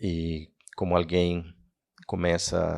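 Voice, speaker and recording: A man speaks with a Spanish accent in a very deep, low pitch. The recording is very clean, with a silent background. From Mexico. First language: Spanish (speaking Portuguese). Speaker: novelist. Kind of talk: live interview at a book event. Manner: halting, with repetitions.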